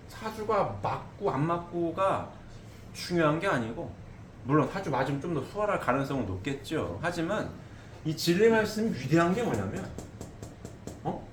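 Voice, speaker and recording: A middle-aged man delivers a sermon with a fairly high, animated voice, pressing his points and asking the listeners questions. He sounds like he is in a reverberant hall with a faint background hum. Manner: emphatic, asks the congregation questions, frequent "eh?" tags. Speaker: preacher. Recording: echoey hall with faint ambience.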